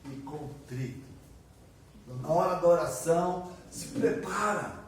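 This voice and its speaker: Brazilian preacher in an echoey hall. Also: male voice, fairly high pitch, lively intonation, a little slow. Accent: Brazilian Portuguese. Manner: conversational, acts out prayers and asks the audience questions. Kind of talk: sermon. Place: church hall. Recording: echoey room from far off, faint noise.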